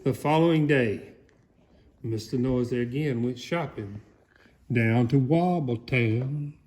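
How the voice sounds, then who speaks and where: A man voicing a folksy, excitable country alligator, giving a theatrical comic storybook reading. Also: mid-range voice, slow. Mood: amused. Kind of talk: dramatic storybook reading, played for comedy.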